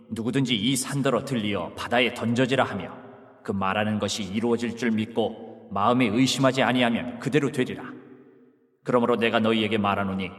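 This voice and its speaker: Solemn, authoritative male holy teacher played by an actor for audio scripture drama; measured declamation, mid-pitched, long hall reverb. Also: close to an everyday voice. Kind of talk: dramatized Bible reading.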